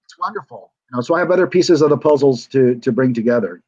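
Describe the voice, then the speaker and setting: A man's voice: medium pitch, lively intonation, fast, mellow, slightly rough, no echo, highs cut off. An American man chatting as a guest over a video call, hesitant and rambling with lots of fillers and restarts. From United States. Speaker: guest, former reality show contestant. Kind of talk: casual video call chat.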